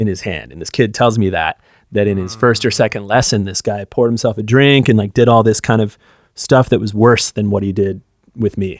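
A normal speaking voice at a fairly quick pace, fairly even in intonation, with a dry, close sound free of echo and a very clean recording over a silent background. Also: man, fairly low pitch for a man. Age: 30s. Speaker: musician and teacher. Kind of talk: interview. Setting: recording studio.

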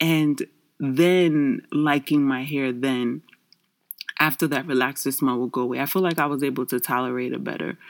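A woman's very deep, low voice with a New York accent, fairly even intonation and a moderate pace, on a very clean recording with a silent background. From Bronx, New York; Honduran Garifuna family. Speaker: podcast host. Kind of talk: casual solo podcast monologue.

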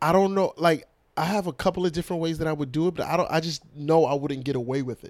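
A man with a New York accent, very fast and fairly high-pitched, on a very clean recording with a silent background. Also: ordinary pitch variation. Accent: New York (Bronx). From New York City, the Bronx. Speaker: comedian and podcaster. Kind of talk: casual chat. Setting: on a couch at the host's home.

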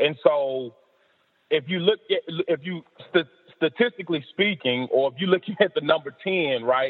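With a Southern US accent, a man talks at a moderate pace and fairly high pitch, leaving long, frequent pauses. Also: ordinary pitch variation. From Alabama (Decatur). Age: 20s. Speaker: former college football player, doctoral student. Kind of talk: interview.

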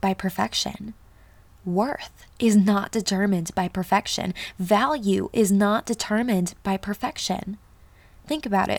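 A woman's unremarkable speaking voice, medium in pitch, with ordinary pitch variation and a fairly slow pace. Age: 20s. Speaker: podcast host, writer and creator. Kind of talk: solo podcast monologue.

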